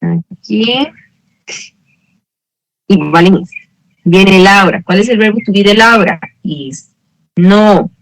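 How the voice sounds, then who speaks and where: A woman's voice: mid-range voice, slow pace, pauses often, no echo, low-quality recording. A woman teaching an English lesson online, explaining patiently, checking in with her students and correcting herself as she goes. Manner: corrects herself mid-sentence.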